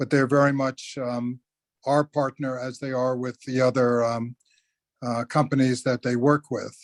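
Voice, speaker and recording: Speaking in a New York accent, a man keeps a medium pitch and a monotone, flat intonation at a moderate pace. The sound is dry and close, with no echo. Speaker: senior living company founder. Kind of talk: public meeting presentation. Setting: remote video meeting. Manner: halting, many fillers.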